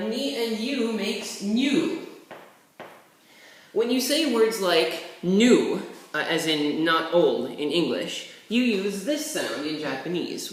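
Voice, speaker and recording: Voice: medium pitch, distant mic. Laid-back tutor in a very echoey room. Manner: laid-back and rambling, with offhand asides. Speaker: language tutor. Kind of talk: casual tutorial while writing characters. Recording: very echoey room, voice set back from the mic, faint hiss.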